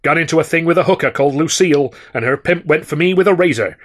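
A man's voice: fairly high pitch, pitched above the performer's own voice, lightly acted. A man voicing a brash, boastful big male film producer who talks in a slangy, blustering way. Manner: blustering, fast-talking, slangy.

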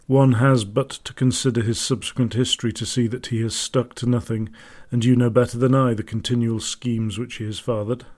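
An actor voicing a formal, stern Edwardian naval explorer, reading old letters in a measured way. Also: male voice, mid-range voice, little pitch movement, darkish tone, lightly acted. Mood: disparaging. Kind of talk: dramatised quotation reading.

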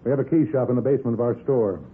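An imperious businessman played by a man in a vintage radio crime show. He talks fast in a clipped, husky, pompous voice, on a muffled 1940s recording. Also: mid-range voice, natural voice. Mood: smug, unapologetic. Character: imperious, threatening male department store boss.

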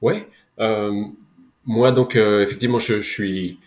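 Middle-aged male podcast guest, French accent, low voice, casual and halting delivery with repeated words. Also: steady tone, darkish tone. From France. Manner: hesitant, repeating words as he goes. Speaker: interview guest, tech company co-founder. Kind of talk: casual interview account.

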